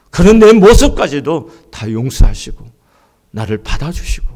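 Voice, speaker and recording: A middle-aged man from Gangwon Province preaching a sermon as pastor, swinging between soaring and hushed delivery. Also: on the high side. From Gangwon Province, Korea.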